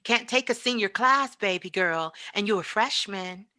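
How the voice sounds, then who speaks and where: A woman with a bright, forceful voice speaks as a spiritual teacher. Her delivery is motivational and emphatic, preaching her points and driving them home with repetition. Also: medium pitch, moderate pace. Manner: emphatic, preaching, with repeated phrases.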